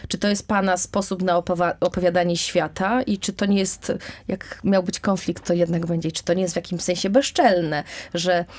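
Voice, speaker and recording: A woman's voice: fairly low pitch, little pitch movement, normal speed, a little mellow. A woman in her thirties hosting a radio interview, feeling her way hesitantly through long questions. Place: radio studio. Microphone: studio mic, headphones.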